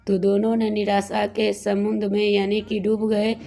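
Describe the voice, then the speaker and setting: A woman with a cold-roughened, hoarse voice tells a devotional story at an unhurried pace. Her pitch stays flat and level throughout, and she rambles a little with restarts and fillers, speaking to her viewers as friends. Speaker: devotional YouTuber.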